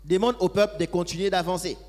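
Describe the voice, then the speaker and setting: Male sermon interpreter, fairly high voice, follows phrase by phrase, echoey hall. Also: fairly even intonation, fast talker, darkish tone. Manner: follows each phrase closely, with occasional hesitations.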